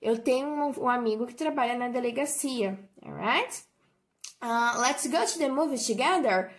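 A young Brazilian woman teaching English vocabulary, saying each word slowly and clearly and checking in with "alright?". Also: fairly high pitch, animated. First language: Portuguese. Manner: slow, drawn-out model pronunciation, tag "alright?" after each example. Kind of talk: bilingual vocabulary lesson.

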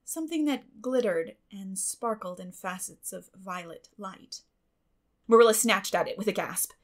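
A woman's voice: medium pitch, unhurried. A woman reading a classic novel aloud as scripted audiobook narration.

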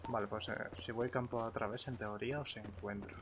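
A man's voice: on the low side, fairly even intonation, a little fast. A man chatting casually as he plays an online roleplay game. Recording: clear background noise, game ambience.

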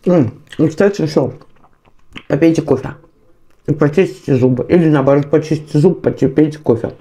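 A woman's voice: low-pitched, fairly quick, mellow. A woman vlogger talking while chewing food, chatting casually and homely with her viewers as she eats. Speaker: mukbang vlogger. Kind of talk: casual chat while eating on camera.

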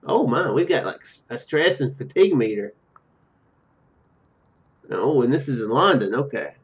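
A man's voice: medium pitch, expressive, moderate pace. A young man doing let's play commentary and reading game text aloud, hesitant and rambling, with trailing asides. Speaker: video game streamer. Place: indoor room at home. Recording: dull, lo-fi microphone sound. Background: game music.

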